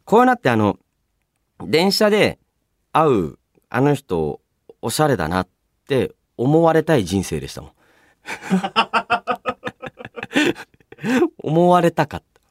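A man hosting a casual solo radio show, chatting and reading out listener mail in a polite but chatty, animated way. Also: medium pitch, slow, long pauses, dry recording, studio quality. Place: radio studio, dry sound.

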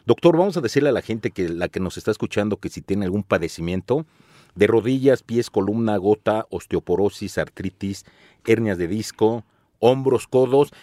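Mexican male co-host, low and warm, pushes promotions in a chummy pitch, dry studio sound. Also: dry recording. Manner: salesy, repeats the phone number, chummy. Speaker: co-host giving phone number and promotions. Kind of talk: promotional radio talk.

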